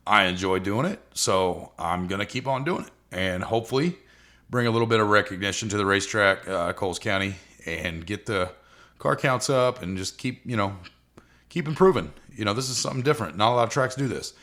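Male host, racer; scratchy, rough voice, low pitch, bright edge, rambling casual delivery. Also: lively intonation, a little fast. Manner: loose, rambling, frequent fillers. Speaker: podcast host and drag racer. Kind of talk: casual solo podcast talk.

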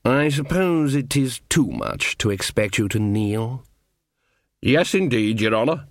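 A man's voice: mid-range voice, expressive, unhurried, no room sound, clean studio sound. A man voicing a shrewd, folksy old woman witch who talks bluntly and defiantly in a storybook reading. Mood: cheeky mock deference.

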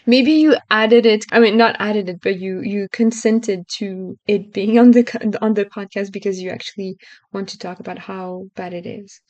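A woman's voice: mid-range voice, steady tone, moderate pace, darkish tone, no room sound, lo-fi sound. A woman co-hosting a music podcast in casual chat, often hesitant and correcting herself, giggling between thoughts. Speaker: podcast co-host.

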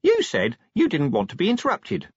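A man's voice: fairly high pitch, huge pitch swings, a little slow, breathy edge, dry recording, highs cut off, pitched above the performer's own voice, exaggerated voice. A man voicing a tiny meek imp, eager to please, with a small quavering voice and an officious, defensive way of talking.

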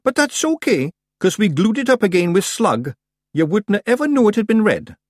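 A man's voice: high voice, very animated, normal speed, darkish tone, dry recording, clean studio sound, pitched above the performer's own voice. A man voicing a boastful, rambling little fairy clansman with a Scottish accent in a storybook. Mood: nervous bluster. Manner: blustering, rambling, emphatic. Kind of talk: acted storybook dialogue.

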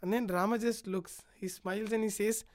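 A woman retelling an ancient epic in a casual podcast chat, animated and emotional, with lots of "like" fillers. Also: medium pitch, normal speed. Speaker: podcast storyteller.

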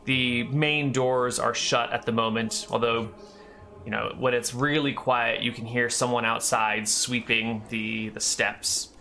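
Gm guy narrating, gravelly voice with a bright edge, laid back, lots of ums. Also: medium pitch, measured pace, a little hiss or hum. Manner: relaxed, descriptive, many fillers. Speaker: game master. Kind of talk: narrating a tabletop game.

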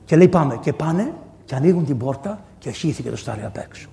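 A man, a priest, preaching a lively storytelling sermon in an amphitheater, acting out the dialogue of his story with sudden loud outbursts. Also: fairly high pitch, vocal fry, breathy edge. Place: diocesan amphitheater.

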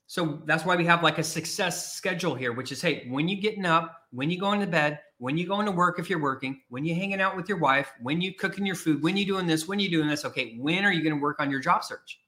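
A man's voice: on the high side, sharp tone. A man speaking as a career coach in a blunt, emphatic motivational talk, repeating his points.

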